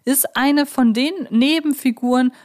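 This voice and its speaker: A woman co-hosting a podcast keeps the discussion casual and chatty, putting questions to her partner conversationally. Her high voice is steady, unhurried and a little mellow.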